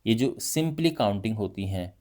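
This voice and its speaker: A male math teacher giving a lively classroom lesson, talking through each point with frequent check-ins to his students. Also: on the low side, unhurried. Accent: Hindi.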